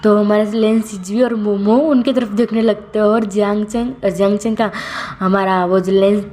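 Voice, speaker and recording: A woman tells a story in a loose, chatty way, often stopping to correct names and restart her sentences. Her voice is mellow and warm. It sits at an ordinary middle pitch. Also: fairly even intonation, moderate pace. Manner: rambling, often corrects herself mid-sentence. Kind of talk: casual fan-fiction retelling.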